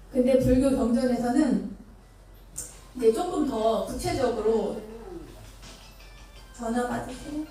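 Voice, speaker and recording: A Buddhist nun from Korea's Chungcheong Province, her voice on the high side and dark in tone, tells a story during a dharma talk, asking the listeners questions along the way. She speaks before an audience in a temple dharma hall, recorded from far off with echo and faint noise.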